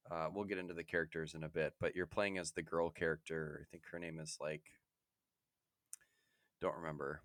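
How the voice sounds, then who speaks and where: A man's voice: low-pitched, a bit bright, clear, resonant tone, dry recording, clean studio sound. A man co-hosting a podcast, casually discussing video games in a rambling way that often drifts from his thread. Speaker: podcast co-host.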